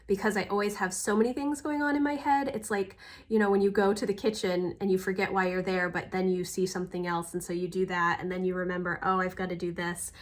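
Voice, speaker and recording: A middle-aged woman speaks in a casual, candid vlog style. Her voice sits at an ordinary medium pitch. She comes across as a chatty homeschooling mother talking through her everyday life. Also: level tone, quick pace, hardly any pauses.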